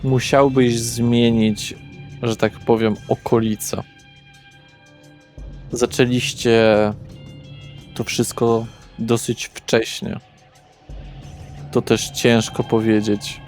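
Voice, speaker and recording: A man runs a tabletop roleplay as its game master. He narrates deliberately at a slow pace in a mid-range voice, with soft music faintly behind him. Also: mid-range voice, little pitch movement.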